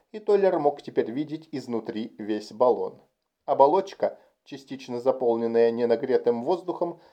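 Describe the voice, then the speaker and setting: A man narrating a science fiction audiobook in a calm, even storytelling manner. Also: medium pitch. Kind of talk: amateur audiobook reading. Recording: dull home recording.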